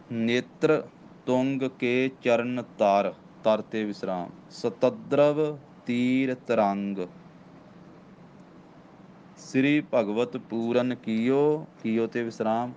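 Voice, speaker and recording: A man's voice: mid-range voice, a little mellow, slight background noise. A man with a Punjabi accent teaching scripture recitation line by line, patiently correcting pronunciation and demonstrating each phrase. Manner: patient, corrects word by word, slow chanted demonstration. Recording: dull lo-fi recording with faint ambience.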